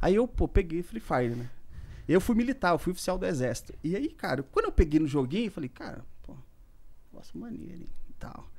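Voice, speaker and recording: Talking at a fairly quick pace, a man with a high voice uses lively intonation and big swings in loudness. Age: 40s. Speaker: esports league CEO; podcast guest. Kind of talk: casual chat. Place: studio. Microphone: studio mic.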